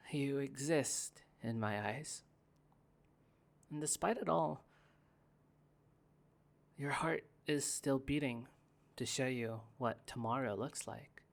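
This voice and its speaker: A young man voicing a gentle, guarded corporate heir in an ASMR roleplay, speaking softly with stammering restarts. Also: medium pitch. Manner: soft-spoken, hesitant, stammering restarts. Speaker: roleplay performer.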